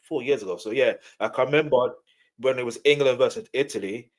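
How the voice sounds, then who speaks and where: A man's voice: medium pitch, brisk. A man hosting a casual interview, informally circling and rephrasing his questions as he goes. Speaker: interviewer, host.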